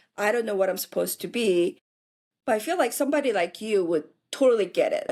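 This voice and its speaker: Lively in intonation and fairly quick, a woman speaks at a medium pitch in a plain, everyday voice. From Korean-American, 1.5 generation. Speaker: podcast host. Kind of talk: interview.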